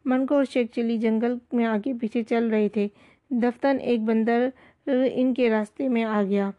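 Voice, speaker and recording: A woman storyteller giving a steady, even scripted storybook narration. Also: on the high side. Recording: dull lo-fi recording.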